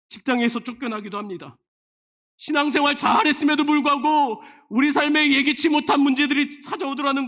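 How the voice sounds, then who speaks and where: High, bright-voiced male preacher. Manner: emphatic preaching with rhetorical questions, often sinking to a low, quiet voice. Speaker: senior pastor. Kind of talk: sermon.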